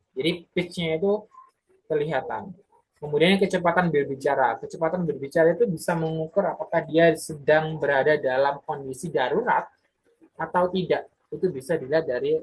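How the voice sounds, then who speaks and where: A young adult presenter giving a casual explanatory talk to a community group, pausing often with filler sounds and correcting themselves mid-sentence. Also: mid-range voice, breathy edge, low-quality recording. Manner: hesitant, many filler sounds and self-corrections.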